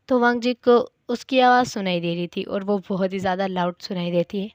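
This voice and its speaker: A woman retells a romance story in a relaxed, chatty way, often turning to the listener with asides. Her voice sits fairly high, and the recording is dry and close. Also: no room sound. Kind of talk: casual fan-fiction storytelling.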